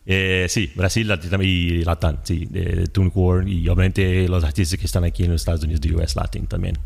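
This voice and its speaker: A man's voice: low voice, level tone, brisk, creaky, a little mellow, husky. A Brazilian man, native in Portuguese, talking as an interview guest in Spanish mixed with Portuguese, with a Brazilian accent. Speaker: interview guest, music distribution executive. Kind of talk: conversational interview.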